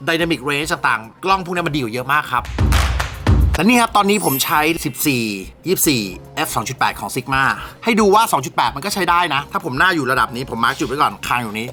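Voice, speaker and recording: A young man reviews a camera lens in a fast, chatty, excitable rush, swearing casually as he goes. His voice sits a little high for a man, and music plays clearly under him. He keeps it loose and informal throughout.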